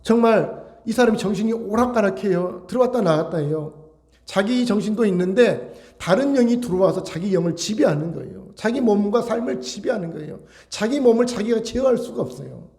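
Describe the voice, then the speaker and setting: A man's voice: high voice, lively intonation, brisk, warm tone. A male pastor preaching a sermon, emphatic and full of rhetorical questions to his congregation.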